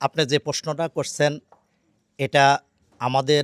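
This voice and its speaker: This man's voice has a fairly high pitch. The sound is dry and close, with no echo. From Bangladesh, Kazipur, Sirajganj. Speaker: parliamentary candidate and businessman. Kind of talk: interview. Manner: halting.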